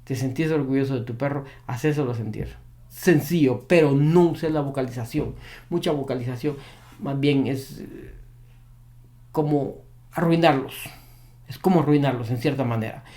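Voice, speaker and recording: A man's voice: medium pitch, warm tone. Emphatic man giving dog-training advice. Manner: repeats key advice emphatically. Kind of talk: advice monologue to camera.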